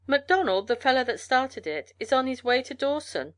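A woman's voice: high-pitched, sing-song, normal speed, pitched above the performer's own voice. A woman voicing a gossipy, amused frontier mail carrier in a storybook, with folksy colloquial talk. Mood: folksy, matter-of-fact. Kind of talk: storybook character voice in narration.

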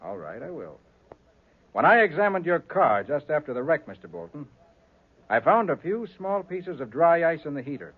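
A man playing a brisk, confident, shrewd private detective in a 1940s radio crime drama. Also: fairly high pitch, very animated. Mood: forceful, explaining. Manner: assertive, explanatory. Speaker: radio actor. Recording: muffled, narrow-band old radio recording.

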